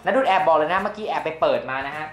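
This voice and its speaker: A man hosting a casual phone comparison in a phone shop, chatty and animated as he hypes results. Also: on the high side, rapid-fire. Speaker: tech review host. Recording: echoey room with faint music.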